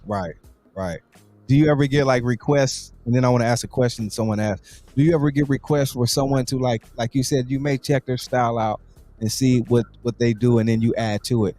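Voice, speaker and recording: Casual, slangy man hosting, medium pitch. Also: steady tone, brisk, dark tone, faint music behind. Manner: informal slangy talk, repeats words while forming questions. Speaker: talk show host, interviewer. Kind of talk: casual interview chat.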